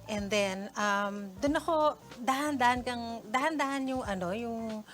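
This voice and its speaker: Lively middle-aged woman telling her story. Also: on the high side, measured pace. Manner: animated storyteller, laughs often, mixes English in. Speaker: guest sharing a testimony while cooking. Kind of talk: casual chat. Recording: music playing under the talk.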